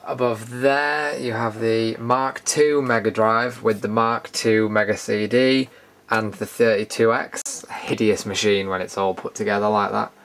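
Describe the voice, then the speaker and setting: A man's voice: fairly low pitch, steady tone, unhurried, fairly bright tone. A British man giving a casual, unscripted tour as a video host, matter-of-fact and dryly opinionated. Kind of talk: casual unscripted show-and-tell narration. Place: indoor room studio. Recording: noticeable background noise.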